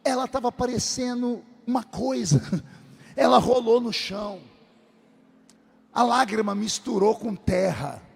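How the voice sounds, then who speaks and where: A male pastor telling a comic personal story in a sermon, animated and lively, in a large church hall. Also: very high-pitched, a little slow, creaky, pauses often, breathy edge. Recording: long hall reverb.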